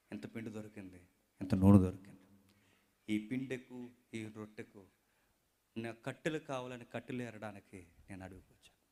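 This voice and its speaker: A man speaking as a grieving, widowed poor mother in famine, in a hushed, sorrowful, pleading voice. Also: lowish voice, pitched below the performer's own voice, natural voice.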